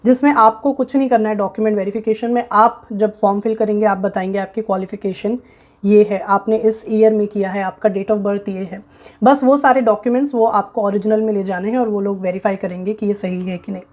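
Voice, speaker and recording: A woman's voice: mid-range voice, a little mellow. A woman with an Indian accent giving an informal explainer to viewers, frank and emphatic, slipping English phrases into her explanations. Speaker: presenter of a job recruitment guide.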